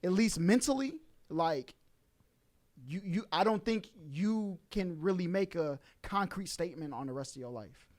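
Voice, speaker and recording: High-voiced man explaining step by step. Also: animated, a little slow, a little mellow. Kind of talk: casual podcast chat.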